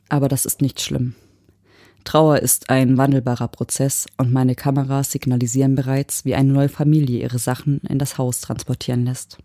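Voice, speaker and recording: A woman from Germany narrating a short story in a measured, even way. Her voice is mellow and warm. The recording is dry and close to the mic. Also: very deep voice, no room sound. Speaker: audiobook reader. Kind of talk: scripted narration.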